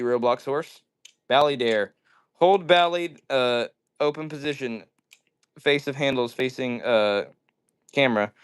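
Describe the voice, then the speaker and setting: A man's voice: mid-range voice, smooth. A man hosting a live stream, chatting casually and reading out viewer messages in slangy, upbeat talk. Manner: upbeat slangy greetings, says "dude" and "yo" often.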